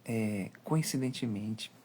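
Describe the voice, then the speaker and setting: Um homem com sotaque brasileiro, falando em uma live de conselhos, em tom enfático e de sermão. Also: male voice, on the low side, slow, a little mellow, slight background noise. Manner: emphatic, preachy, acts out dialogues. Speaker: live-stream host. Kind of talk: live monologue, advice talk.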